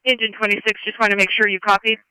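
A woman working as a fire dispatcher, brisk and clipped on urgent two-way radio, repeating messages back. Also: medium pitch, little pitch movement, sharp tone, smooth, no room sound, rough recording.

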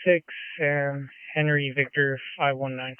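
A man speaking over a police radio as an officer, flat and businesslike, calling in plates in radio codes. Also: mid-range voice, measured pace, smooth, no echo. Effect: police radio transmission. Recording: tinny police radio channel.

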